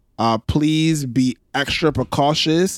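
A man speaks very slowly with a Barbadian accent and ordinary pitch variation. The sound is dry and close with no echo, on a very clean recording with a silent background. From Barbados. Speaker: podcast producer. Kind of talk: casual chat.

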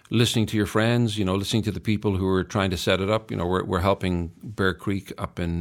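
On a very clean recording with a silent background, a man with an Irish accent speaks very deep and low, fairly quick, with hardly any pauses and fairly even intonation. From Ireland. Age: 60s. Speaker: festival producer. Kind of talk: interview.

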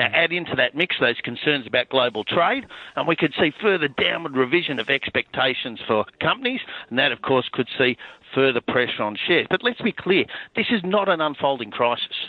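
A fairly high-pitched man with an Australian accent and lively intonation. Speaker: market strategist. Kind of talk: interview. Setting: phone call.

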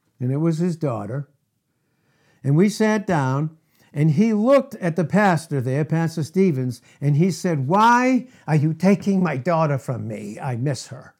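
Delivered at a fairly slow pace with lively intonation, the speech sits in a very clean recording with a silent background. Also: man. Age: 60s. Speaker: pastor. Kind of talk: sermon. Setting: church with congregation. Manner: halting.

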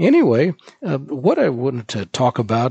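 A man talks at medium pitch and a moderate pace. His voice is somewhat breathy, with lively intonation. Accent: American. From US South, Georgia. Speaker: blind listener, computer hobbyist. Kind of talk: recorded audio contribution, software demo.

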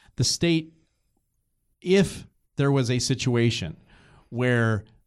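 A man uses a normal speaking voice at a fairly slow pace with lively intonation. The background is quiet. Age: 50s. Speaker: estate planning lawyer. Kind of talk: podcast discussion.

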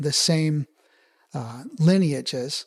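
A man's fairly high voice, dry and close with no echo, on a very clean recording with a silent background. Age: 60s. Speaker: martial arts grandmaster. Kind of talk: interview.

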